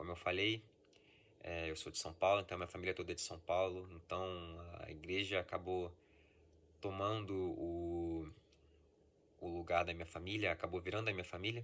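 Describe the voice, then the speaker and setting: A man's very deep, low voice, monotone and flat, at a moderate pace with long, frequent pauses. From Rio de Janeiro, Brazil. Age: 20s. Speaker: mechanical engineer, new church member. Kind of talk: testimony. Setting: church.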